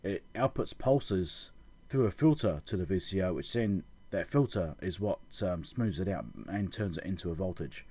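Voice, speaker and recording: A man giving an informal technical explanation as a channel host, halting and correcting himself as he thinks aloud. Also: sits low, animated, mellow, breathy edge. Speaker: electronics repair channel host.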